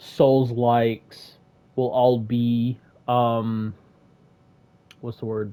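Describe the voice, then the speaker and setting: A man mumbles very slowly at a medium pitch with long, frequent pauses, his dark, mellow tone kept in a monotone, flat intonation. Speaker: gaming youtuber. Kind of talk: casual video game review. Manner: mumbling; halting, many fillers.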